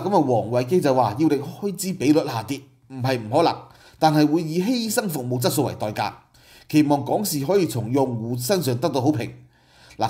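A middle-aged man with a Hong Kong Cantonese accent talks through company figures in a relaxed commentary style. His voice sits at an ordinary pitch and has a warm, mellow tone. He adds asides and rhetorical questions as he explains. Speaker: political commentary host. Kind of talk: casual commentary.

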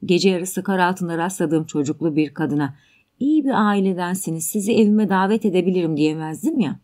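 A woman voicing a calm, middle-aged man at home who explains things in a measured, mildly sardonic way. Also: lowish voice, natural voice. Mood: reasoning, calm.

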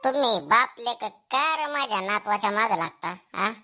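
Woman playing a sharp, nagging old village grandmother. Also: mid-range voice, expressive, normal speed. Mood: scolding. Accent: rural Maharashtrian Marathi. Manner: nagging, protective. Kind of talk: Marathi comedy cartoon dialogue.

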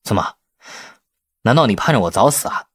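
Man acting brash irritable man, audiobook character, colloquial, defensive, animated, husky. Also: fairly low pitch, brisk. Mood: irritated. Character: brash, irritable man in a family inheritance feud.

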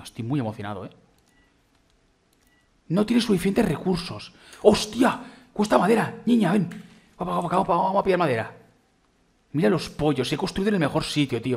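A man with a Spain Spanish accent giving excitable, rambling let's-play commentary while trying out a game, full of exclamations. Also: a little high, vocal fry, husky. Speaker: gaming youtuber.

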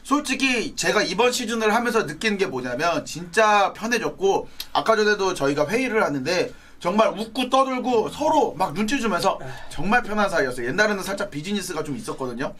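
A man's voice: high-pitched, expressive, brisk, hardly any pauses, a bit bright. A man in a streamer crew giving an earnest speech to viewers in casual chat.

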